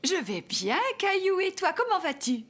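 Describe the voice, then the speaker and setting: Cheery kind cartoon granny, high voice, really animated. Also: female voice, normal speed, heavily acted. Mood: welcoming. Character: cheerful, kindly grandmother. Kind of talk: children's cartoon dubbing. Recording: music behind the dialogue.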